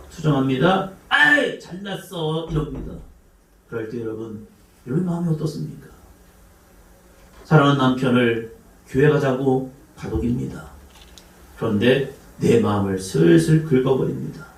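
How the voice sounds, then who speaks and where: A man's voice: mid-range voice, moderate pace, long pauses, darkish tone. A male pastor preaching a sermon, who quizzes the congregation and acts out cries and sighs in the voices he quotes. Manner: asks the congregation questions. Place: church sanctuary. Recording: echoey church hall, mic some distance off.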